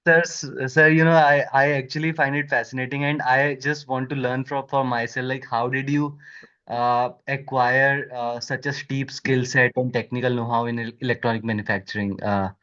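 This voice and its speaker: A man's voice: mid-range voice, little pitch movement, moderate pace, a bit bright. Deferential Indian-accented man, muffled call audio. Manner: deferential, hesitant. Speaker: investor asking questions. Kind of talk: conference call question.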